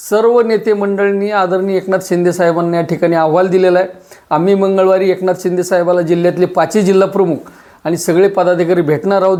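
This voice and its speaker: A middle-aged man, a local party leader giving a forceful, repetitive press statement. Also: sits high.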